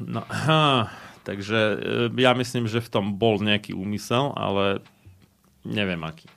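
A man talks at a fairly slow pace with long, frequent pauses, his fairly low pitch showing ordinary variation. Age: 40s. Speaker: radio host. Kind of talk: casual chat. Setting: studio.

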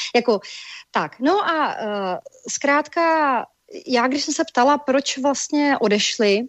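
The woman's pace is fairly slow. She uses lively intonation. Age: young. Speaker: translator, interpreter and regional party politician. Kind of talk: interview. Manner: hesitant, with many fillers.

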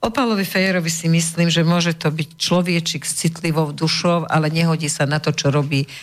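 A woman talks in a plain, everyday voice at a fairly low pitch and a moderate pace. Her intonation is fairly even, and the recording is very clean with a silent background. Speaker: former TV presenter and shaman. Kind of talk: radio interview. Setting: studio.

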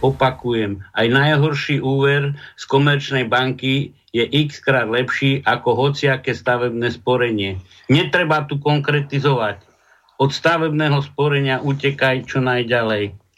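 In a very clean recording with a silent background, a man with a plain, everyday voice speaks fairly slowly at a medium pitch with fairly even intonation. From central Slovakia. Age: 60s. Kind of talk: live radio talk show discussion.

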